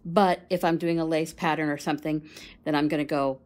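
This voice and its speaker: A woman with a fairly low voice patiently explains her knitting, step by step, in a relaxed, casual way. She talks as though sitting beside a friend. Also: fairly quick. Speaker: guest knitter. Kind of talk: casual demonstration.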